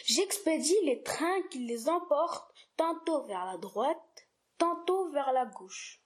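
Brief: high-voiced woman reading a businesslike railway switchman, slow and plain. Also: animated. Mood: matter-of-fact. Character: matter-of-fact railway switchman.

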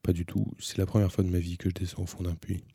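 A male audiobook narrator with a deep, husky, dark voice reads in a measured, subdued way. His delivery stays flat and even, and the recording is close and dry with no room around it. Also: no room sound.

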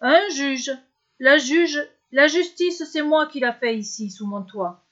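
A woman's voice: high voice, takes it slowly, a bit bright, highs cut off. A woman voicing an arrogant rich nobleman who owns slaves, speaking in a haughty, mocking way. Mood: scornful.

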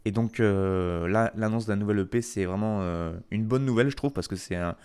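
A man's voice: fairly low pitch, normal speed, a little mellow, clear, resonant tone. A man hosting a music show from his living room, chatting casually with frequent hesitations and wry asides. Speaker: radio show host.

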